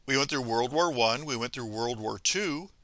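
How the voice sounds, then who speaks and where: A man from Venezuela speaking a political monologue to viewers, halting with many pauses and restarts, then scolding emphatically. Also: medium pitch, fairly bright tone, dry recording. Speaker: commentator.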